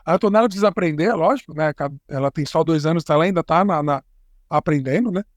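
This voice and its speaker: A man's voice: fairly high pitch, fast talker, dry recording, studio quality. A man with a Brazilian accent, a guest on a podcast, explaining things in an easygoing way with fillers and restarts. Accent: Brazilian Portuguese. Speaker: interview guest. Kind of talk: casual conversational interview.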